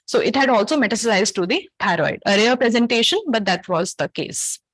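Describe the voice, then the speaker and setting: A woman with a South Asian accent speaks in a high voice as she teaches. She lectures through cases in a didactic, academic way and turns to her listeners with questions. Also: expressive, brisk. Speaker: medical lecturer. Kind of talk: interactive academic case-based lecture.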